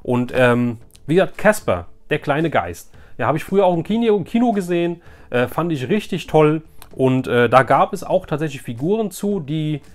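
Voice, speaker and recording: A man with a medium-pitched voice hosts a collector's video. He chats casually to his viewers, rambling along with enthusiasm. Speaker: toy collector, video host.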